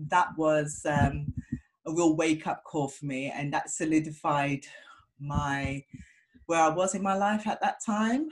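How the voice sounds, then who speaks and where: Somewhat breathy, a woman speaks with a British accent. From England, of Jamaican parentage. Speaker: podcast guest, aspiring podcaster. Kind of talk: casual interview chat. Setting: online call, audio only.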